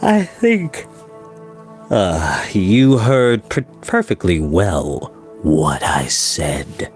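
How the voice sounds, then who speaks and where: Man voicing a deep, slow, cold storybook villain. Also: big pitch swings, soft background music, heavily acted. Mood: soft menace. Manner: slow, deliberate, softly conversational menace. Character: tall, cold, menacing man, quietly sinister villain. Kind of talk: dramatic audiobook character reading.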